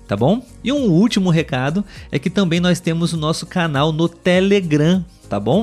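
A man's voice: a little high, a little mellow. Brazilian man hosting a learner podcast. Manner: clear, patient delivery with frequent check-in tags to listeners. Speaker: podcast host and Portuguese tutor. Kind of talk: solo educational podcast monologue for learners.

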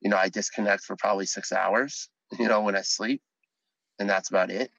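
A man's voice: on the low side, steady tone, a little fast, creaky, fairly bright tone, dry recording, highs cut off. A middle-aged man, an educator, speaking earnestly as a podcast guest about his mission. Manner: earnest, driven, speech-like. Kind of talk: casual podcast interview.

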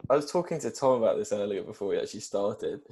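Young male co-host, lowish voice, easygoing and halting, chatting over a video call. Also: animated, a little mellow. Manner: easygoing, hesitant with fillers. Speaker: podcast co-host.

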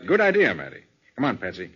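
An actor playing a self-assured private detective, brisk and questioning, in 1940s radio style. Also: male voice, medium pitch, huge pitch swings. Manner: crisp questioning. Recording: noisy, muffled old radio recording.

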